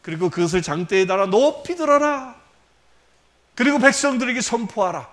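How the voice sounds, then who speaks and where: A man's voice: very high-pitched, lively intonation, normal speed, a bit bright, pitched above the performer's own voice. A man voicing God as a stern male deity who gives blunt orders, in a sermon. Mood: commanding. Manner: brusque, commanding.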